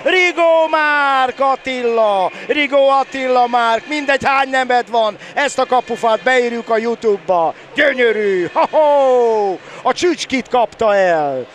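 An older man doing excited sports commentary, often shouting and repeating words. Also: very high voice, few pauses. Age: older, around 70. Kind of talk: excited Hungarian futsal commentary. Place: balcony of a large indoor sports hall. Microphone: headset. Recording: background noise of a sports hall.

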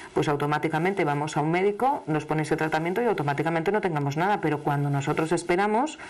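A middle-aged woman from Asturias with an Asturian accent and a low, deep voice, doing a live studio tarot reading. She talks to the caller emphatically and familiarly, with chatty warmth in her words. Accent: Asturian Spanish. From Asturias, Spain. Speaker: television tarot reader. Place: television studio. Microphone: studio microphone, seated at desk.

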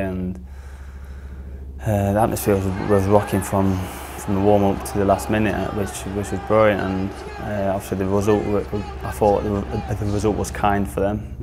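A young footballer with a northern English accent speaks in a low, deep voice. His delivery stays flat and level, hardly rising or falling. He stumbles through fillers and restarts as he answers questions, seated in a small studio. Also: background noise. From northern England. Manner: hesitant, many fillers and restarts. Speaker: football player. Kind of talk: casual interview answers.

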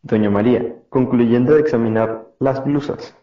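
Narrator: young Argentine male, mid-pitched, reading stage directions, dull roomy recording. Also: moderate pace. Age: teenager or young adult.

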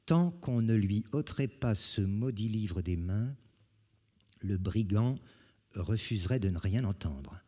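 Theatrical male storyteller, husky voice. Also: lowish voice, expressive, unhurried. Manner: theatrical, swings from hushed to loud. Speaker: reader. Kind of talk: expressive live literary reading. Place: large auditorium.

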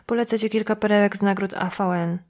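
A brash, street-smart woman who sneers and speaks bluntly and coarsely, as a woman reads her in an audiobook. Her pitch sits in an ordinary middle range. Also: fairly even intonation, quick pace, natural voice. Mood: mocking. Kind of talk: audiobook dialogue.

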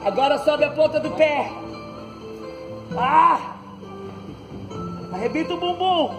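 Brazilian guy with a really high voice slowly talking a class thru stretches outside, music going behind. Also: poor audio. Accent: Brazilian Portuguese. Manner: calm step-by-step breathing cues, light joking. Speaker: fitness instructor. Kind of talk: guiding an outdoor stretching class. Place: outdoor court, large open space. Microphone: far camera on the ground. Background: background music.

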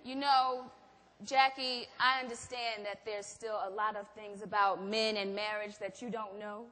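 A woman's voice: mid-range voice, little pitch movement, a little slow, fairly bright tone, lightly acted. A woman acting in a stage play as an anxious, defensive wife who insistently brushes questions off. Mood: impatient. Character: Gloria, defensive anxious wife covering for her husband. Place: theatre stage. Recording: echoey theatre hall.

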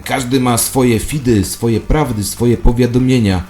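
A man's voice: medium pitch, measured pace, a little mellow, soft background music, pitched above the performer's own voice, natural voice. A man voicing a solemn, doctrinaire conspiracy ideologue preaching emphatically in a satirical audio drama. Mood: grave, insistent.

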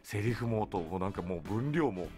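A man hosting a radio show from a studio in an upbeat, animated manner, chatting with guests. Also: lowish voice, normal speed, soft background music. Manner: animated, frequently laughing and agreeing. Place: radio studio, seated at a table. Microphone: studio boom microphone, speaking through a face mask.

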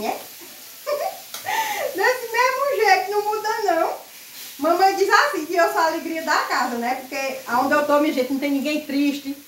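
A woman vlogging casually while she cooks at the stove at home, loud and chatty, laughing often. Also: extremely high pitch, a little hiss or hum. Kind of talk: casual chat while cooking. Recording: echoey kitchen, mic set far off.

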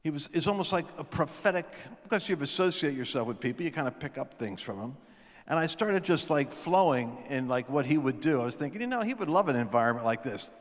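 A middle-aged man preaches on a large stage, telling stories into a handheld mic. His voice sits high for a man. Now and then he rises into shouted proclamations, and a long reverb trails every word through the hall. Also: animated, fast. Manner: storytelling, building to shouted proclamations. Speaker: guest speaker.

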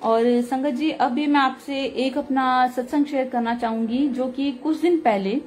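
Devotional speaker, woman, sore throat; high-pitched, unhurried storytelling testimony. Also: fairly even intonation, darkish tone. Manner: earnest, recounts in a storytelling way. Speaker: devotional speaker sharing a satsang. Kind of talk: casual spoken testimony.

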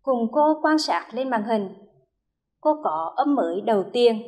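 A woman's voice: fairly high pitch, animated, darkish tone. A woman primary school teacher with a Hue accent, leading a first-grade reading lesson and carefully modeling each sound for children to repeat. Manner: slow, careful modeling of sounds, drawn-out repetitions for children to echo.

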